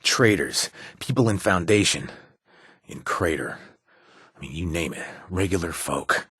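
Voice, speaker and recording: An actor playing an earnest, haunted reformed raider in a post-apocalyptic video game, talking in a halting, confiding, casual way with a husky voice. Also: male voice, low-pitched, animated, a bit bright, no echo, clean studio sound, full character voice. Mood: urgent, bitter. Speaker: companion character in a video game. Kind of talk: conversational video game acting.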